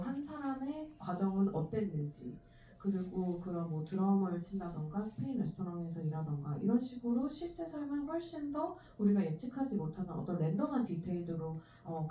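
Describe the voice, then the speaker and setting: A screenwriter at a film Q&A explains her choices in a measured way with thinking pauses, recorded from the audience in a cinema. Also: medium pitch, warm tone, a little hiss or hum. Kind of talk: panel Q&A answer. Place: cinema auditorium. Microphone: handheld mic heard through hall speakers, filmed from the audience. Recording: distant echoey audience phone recording.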